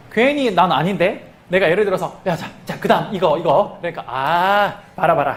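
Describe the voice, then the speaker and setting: A man with a Gyeongsang accent speaks at a high pitch and a fairly quick pace, with lively intonation. Noticeable background noise is present. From South Korea, Gyeongsang province. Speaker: exam prep lecturer. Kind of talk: lecture. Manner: conversational, lively.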